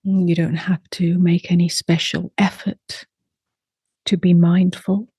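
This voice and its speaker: A woman guides a meditation in a slightly low, mellow voice. She is soft and breathy, sometimes close to a whisper. Her phrases are short and very slow, with long silences between them. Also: level tone, no room sound. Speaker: meditation teacher.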